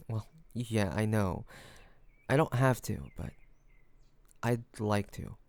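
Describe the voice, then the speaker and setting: A man playing a smitten, courteous mafia boss in an intimate romantic audio roleplay, speaking haltingly with bashful hesitations. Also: on the low side, darkish tone, no echo. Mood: shy, tender.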